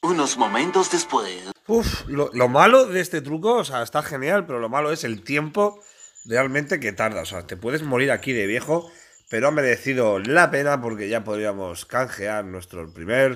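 Using a Castilian accent, a man talks at a moderate pace and medium pitch with very wide pitch swings. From Spain. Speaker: gaming YouTuber. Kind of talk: gameplay commentary.

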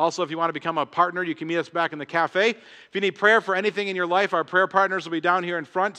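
With hardly any pauses, a high-pitched man talks at a very fast pace. His intonation is fairly even over a quiet background. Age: 30s. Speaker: pastor. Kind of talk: sermon. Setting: church. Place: church. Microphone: headset.

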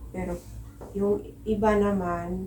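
Her intonation is fairly even. This woman has an unremarkable speaking voice. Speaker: vlogger. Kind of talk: casual vlog narration.

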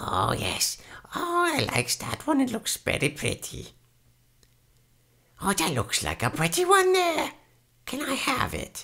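A put-on character voice with high pitch moves at a fairly slow pace, broken by long, frequent pauses.

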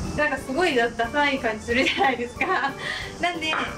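A woman's voice with music in the background. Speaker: golf instructor. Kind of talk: tutorial. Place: open country.

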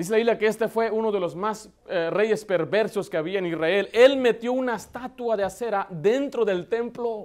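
Against a quiet background, a high-pitched man speaks at a fairly slow pace. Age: 30s. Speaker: pastor. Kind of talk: sermon. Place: church. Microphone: lapel.

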